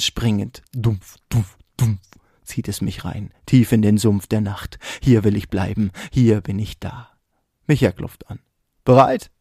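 A man's voice: mid-range voice, warm tone, dry recording, studio quality. A man performing his own spoken-word poetry in a rhythmic, vivid delivery, laughing off his own slips. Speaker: poet and podcast host.

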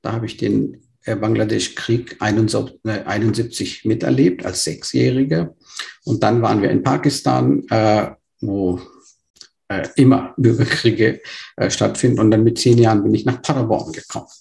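A man's voice: fairly low pitch, steady tone, moderate pace, vocal fry, darkish tone. A man in his fifties, born in Burma, telling his life story as an interview guest, hesitant with many fillers and restarts. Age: 50s.

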